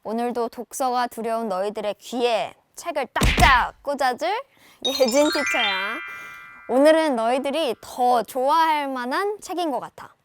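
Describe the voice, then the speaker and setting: A woman's voice: high-pitched, normal speed, few pauses, background noise. A young woman reviewing a novel for viewers in a playful, casual tone, talking to them like friends. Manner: playful, lively, speaks in casual banmal to viewers. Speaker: book reviewer and reading tutor.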